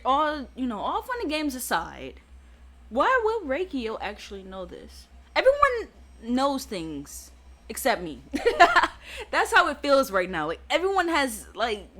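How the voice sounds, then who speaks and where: A woman hosting a let's play, giving excitable game commentary that often stammers and reacts out loud. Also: on the high side.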